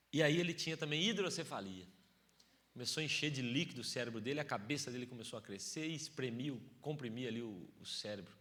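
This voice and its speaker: Bright-voiced Brazilian preacher, man. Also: mid-range voice. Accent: Brazilian Portuguese. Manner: storytelling preacher, swings from hushed to loud. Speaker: pastor. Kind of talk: sermon. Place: church sanctuary.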